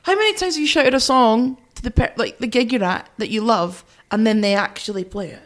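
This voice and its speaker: A woman co-hosting a podcast, telling anecdotes casually in an effusive, expressive way. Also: on the high side, a little fast. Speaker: podcast co-host.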